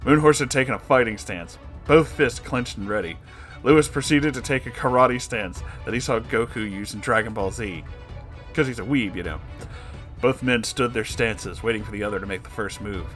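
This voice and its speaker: A man's voice: lowish voice, fairly bright tone. Male storyteller with dramatic comic delivery, music behind. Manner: amused, breaking into laughing asides. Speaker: narrator, story reader. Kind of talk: dramatic comedic story narration.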